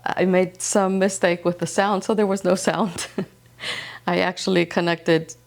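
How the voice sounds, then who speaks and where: A woman from Iceland hosting a slow-living knitting podcast, speaking calmly and gently, first in reflective narration, then in casual chat. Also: fairly low pitch, gravelly. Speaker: podcast host. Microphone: wireless transmitter mic.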